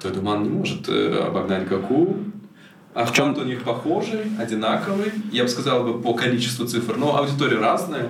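A medium-pitched man at a moderate pace with lively intonation, amid noticeable background noise and audible room echo. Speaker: musician and music producer. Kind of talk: casual chat.

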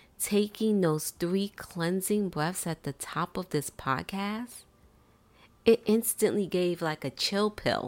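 Calm and relaxed in tone, a woman speaks at a very slow pace and medium pitch with ordinary pitch variation, on a very clean recording with a silent background. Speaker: wellness podcast host. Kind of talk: casual monologue with guided breathing. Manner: calm, relaxed.

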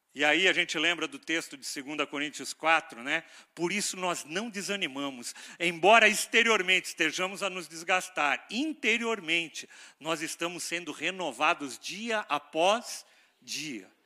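The recording is very clean, with a silent background. A man with a high, bright, sharp voice speaks fairly slowly with ordinary pitch variation. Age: 50s. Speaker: pastor. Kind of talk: sermon. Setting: church.

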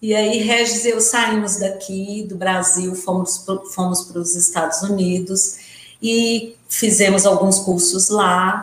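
Medium-pitched woman at a very slow pace, monotone and flat in intonation, with noticeable background noise. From Minas Gerais interior, Brazil. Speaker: psychologist. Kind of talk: interview conversation. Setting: online live stream.

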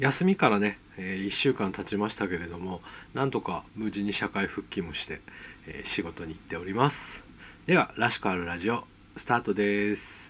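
A man speaks in an ordinary speaking voice, fairly low in pitch, at a moderate pace. His pitch varies in an ordinary way while his loudness swings widely. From Hiroshima, Japan. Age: 50s. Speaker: podcast host. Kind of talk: casual monologue.

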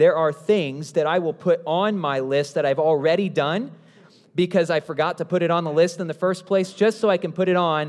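This man's voice is high in pitch, with ordinary pitch variation. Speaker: pastor. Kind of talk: sermon. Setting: church. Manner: fast.

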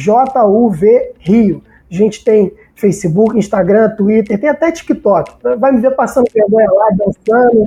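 At a very slow pace, a man with a high, dark and mellow voice keeps his loudness very even. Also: ordinary pitch variation. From Rio de Janeiro, Cidade de Deus (West Zone). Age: 20s. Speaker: municipal youth secretary. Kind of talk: interview.

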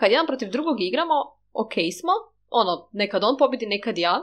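A woman's voice swings very widely in pitch. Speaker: podcast co-host. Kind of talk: casual chat.

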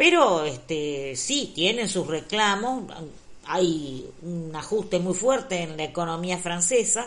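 Very slow, lively intonation, with audible room echo around the voice. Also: woman, fairly low pitch for a woman. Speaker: radio host. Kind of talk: casual chat.

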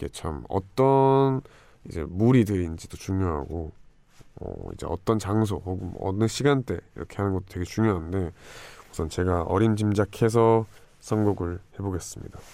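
The dark, mellow tone comes at a moderate pace in a very clean recording with a silent background. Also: man, fairly low pitch for a man, ordinary pitch variation. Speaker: radio DJ. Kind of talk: late-night radio show. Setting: studio.

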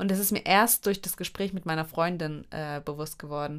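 In a very clean recording with a silent background, a woman speaks at a moderate pace in an unremarkable speaking voice with ordinary pitch variation. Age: 20s. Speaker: podcast host. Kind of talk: casual chat.

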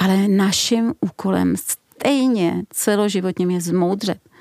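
In a dry, close sound with no echo, a woman with an unremarkable speaking voice talks at a medium pitch and a fairly slow pace, her pitch varying in an ordinary way. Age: 60s. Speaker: coach and social skills trainer. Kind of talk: casual chat. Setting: studio.

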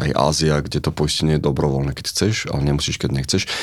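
A man with a very deep, low pitch and fairly even intonation speaks over noticeable background noise. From Slovakia. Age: 40s. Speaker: ethical hacker and crypto-anarchist. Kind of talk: interview. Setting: studio.

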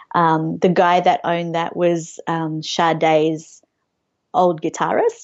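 In an Australian accent, a woman speaks at a very slow pace in a fairly low, monotone, flat voice. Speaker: singer and singing teacher. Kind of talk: casual interview. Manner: hesitant, frequent fillers and laughter.

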